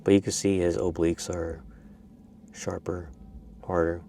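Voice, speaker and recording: A man coach talking casually to his viewers in a vlog, going through his athletes' check-ins and sometimes dropping into quieter asides. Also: sits low, level tone, measured pace, creaky, a little hiss or hum. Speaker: bodybuilding coach and vlogger.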